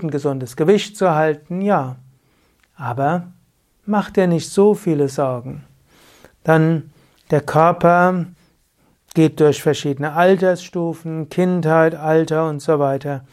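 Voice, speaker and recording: A man with a slightly raised voice gives a spiritual teaching in a calm, instructive way. He speaks straight to the listener and repeats short phrases. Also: on the high side. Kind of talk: spoken spiritual teaching to camera.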